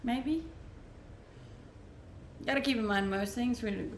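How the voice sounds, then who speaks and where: Danish woman chatting on a livestream, a bit of vocal fry, roomy echo around her. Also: on the high side, slow pace, a little hiss or hum. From Denmark. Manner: chatty and easygoing, laughs often. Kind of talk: casual livestream chat, answering viewer comments. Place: rented home.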